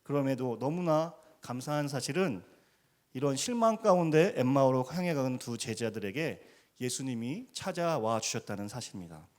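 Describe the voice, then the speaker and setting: A man's voice: medium pitch, lively intonation, normal speed, a little mellow. A man preaching a sermon as a missionary in a church, earnest, acting out quoted cries with rising emphasis. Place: church sanctuary.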